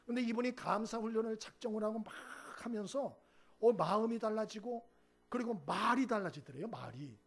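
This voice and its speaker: A man preaching as a pastor, telling stories with lively acted-out quotes and asking the congregation for responses. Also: high voice, brisk, creaky. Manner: animated storytelling, acts out quoted speech, asks the congregation "응?". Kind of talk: sermon.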